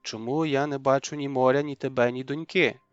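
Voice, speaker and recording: A man's voice: mid-range voice, steady tone, a little fast, clean tone, dry recording, soft background music, close to an everyday voice. A man reading an audiobook voices a desperate young mother who has been blinded, pleading in a raised voice, on a dull, dry lo-fi recording. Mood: frantic.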